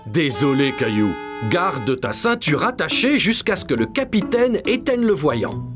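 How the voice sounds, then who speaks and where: A man voicing a kind, playful dad in a dubbed cartoon, gentle and teasing. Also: fairly high pitch, very animated, measured pace. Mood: friendly. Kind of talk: French-dubbed cartoon acting. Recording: with music behind.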